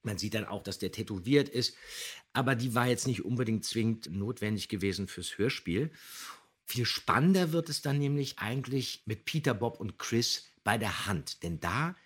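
A man's voice: fairly low pitch, animated, normal speed, slightly rough. A man co-hosting a podcast, explaining things casually in a matter-of-fact, opinionated way. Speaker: podcast co-host who recaps and critiques.

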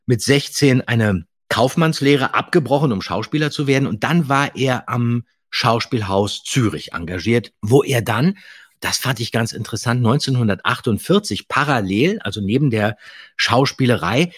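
A man's voice: medium pitch, animated, normal speed, slightly rough, no echo, clean studio sound. A man hosting a podcast about radio plays, chatting casually and enthusiastically with anecdotes. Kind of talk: casual chat.

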